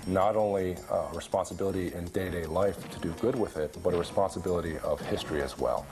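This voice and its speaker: A man's voice: deep voice, fast talker, darkish tone. A man speaking in an earnest, explanatory way in a documentary interview. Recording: music under the voice.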